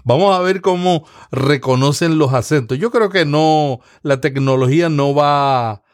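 A man from Latin America hosting a podcast interview, explaining his views in a measured way with frequent restarts. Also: fairly high pitch, clear, resonant tone. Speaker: podcast host.

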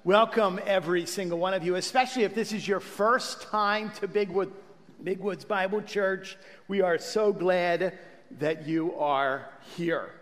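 A man's voice: high-pitched, steady tone, a little slow. A man speaking as pastor to his congregation, welcoming them and leading a prayer. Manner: warm pastoral address with fillers and restarts. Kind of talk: church sermon introduction and prayer. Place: church sanctuary. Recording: church hall reverb.

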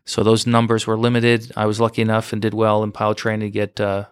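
Interview guest, man in his forties from New York, smooth, flat delivery, filler-heavy and unassuming. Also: on the low side, quick pace, dry recording. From United States, New York. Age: 40s. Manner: steady, modest storytelling with frequent fillers. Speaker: guest, former fighter pilot. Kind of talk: casual podcast interview.

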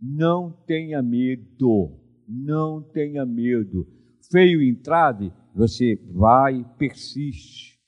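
Lively older pastor preaching. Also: male voice, mid-range voice, very slow, dull audio. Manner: animated preaching with frequent call-and-response questions to the congregation. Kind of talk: sermon.

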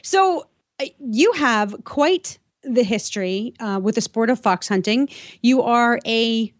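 A woman hosts a casual radio interview. She talks in a gushing, chatty manner with a slightly high voice. The sound is dry, free of room echo. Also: animated, slow. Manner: gushing, enthusiastic. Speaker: radio show host.

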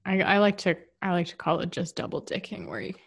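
A woman's voice: lowish voice, expressive, quick pace, gravelly, breathy edge. A woman giving a candid, rambling casual monologue about relationships, often restarting her sentences. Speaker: relationship and spirituality talker.

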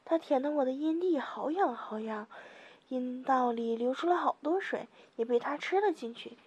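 A woman reading a first-person adult audio story in a soft, intimate storytelling manner with small giggles. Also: high voice, animated, normal speed, husky, lo-fi sound. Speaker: narrator.

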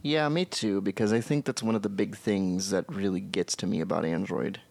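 A man's voice: low-pitched, moderate pace, vocal fry, a little mellow. A man co-hosting a podcast, talking in an earnest, opinionated way with wry, self-aware humor. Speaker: podcast co-host. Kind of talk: casual tech chat.

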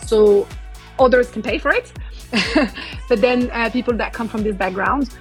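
A woman's voice: fairly high pitch, unhurried, faint music behind. A woman from Morocco, a guest in a podcast interview, talking with many fillers and restarts. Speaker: guest, travel company managing director. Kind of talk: conversational interview.

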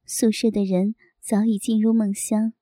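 A woman reading a first-person story aloud in a soft, intimate, unhurried way. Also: mid-range voice, flat delivery, no echo, clean studio sound.

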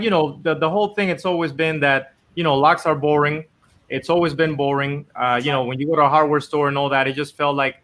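Bright, earnest man telling his story. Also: mid-range voice. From Dominican Republic. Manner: earnest, rambling with many fillers. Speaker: company founder, guest. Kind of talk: casual interview storytelling.

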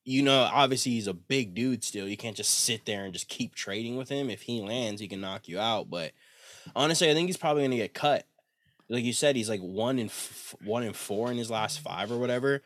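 A man's voice: mid-range voice, moderate pace, a bit bright, no room sound. Slangy young man, dry close sound. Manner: loose, slangy, profane. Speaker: podcast co-host. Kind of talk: casual banter about fights.

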